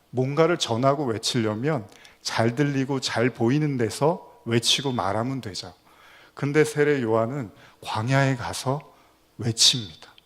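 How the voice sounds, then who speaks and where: A male pastor gives a sermon at a steady, mid-range pitch. He tells a story and voices its speakers in quoted lines, then turns to ask his listeners questions. He reads scripture slowly and with weight. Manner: storytelling with quoted dialogue, asks the congregation questions; slows down for scripture reading.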